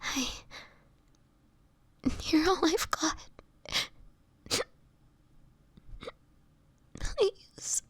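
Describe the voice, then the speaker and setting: A woman playing a gentle, sickly, anguished vampire in a whispery audio roleplay, speaking hesitantly and tenderly to the listener. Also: very high-pitched, expressive, very slow, no echo, full character voice. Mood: frightened, pleading. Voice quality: breathy, often whispering.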